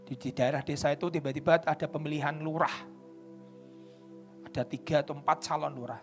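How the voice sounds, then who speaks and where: A man with a Javanese accent preaching a sermon at a church service. He tells stories, moving between quiet narration and loud, emphatic declarations. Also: a little high, fairly even intonation, a little fast, faint music behind. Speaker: pastor. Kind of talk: sermon with storytelling.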